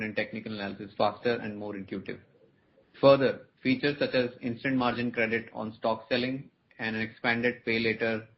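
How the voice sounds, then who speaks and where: A man, a company executive, formally reading a scripted earnings presentation on a conference call. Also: fairly low pitch. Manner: formal, reading prepared remarks. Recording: muffled conference line, background noise.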